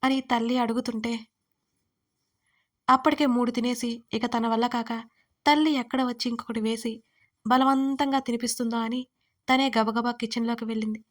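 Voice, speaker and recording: Woman reading an audio story, fairly high voice, expressive, chats to listeners now and then. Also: moderate pace, pauses often. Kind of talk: scripted narration.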